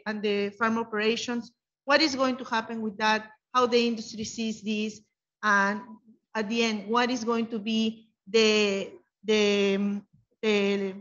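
Spanish-accented woman, rather high voice, dull audio. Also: pushed and bright. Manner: earnest, thinking aloud with many rhetorical questions. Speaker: panelist. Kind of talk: panel discussion remarks. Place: conference room with panel table. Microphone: table mic on stand.

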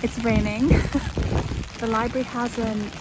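A woman's voice: a little high, flat delivery, unhurried, heavy background noise. A young woman, a university student chatting casually through her day in a vlog, with small laughs and a self-deprecating manner.

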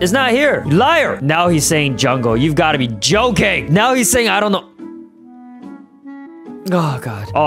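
Young male gaming host, high lively voice, hyped and jokey, faint music underneath. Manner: hyped, jokey, swings between shouts and deadpan mutters. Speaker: gaming YouTuber. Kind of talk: energetic gameplay commentary.

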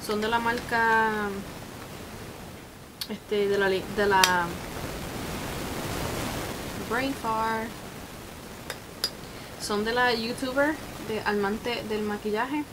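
A young woman talks through her makeup routine with a slightly high voice. She speaks slowly and gets excitable, mixing English exclamations into her chat. A faint hiss sits under the recording. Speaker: makeup vlogger. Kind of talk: casual makeup tutorial chat.

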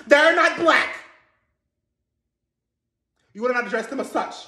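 A comedian putting on a shrill, haughty rich housewife. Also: sing-song, a little fast, fairly bright tone. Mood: scolding. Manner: indignant, haughty, shrieking. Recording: roomy sound with faint music.

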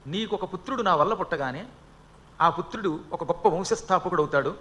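The god Vishnu, a solemn divine husband, pronounces his decree, as a male preacher puts him on. The voice is high and bright, delivered rapidly. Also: lively intonation.

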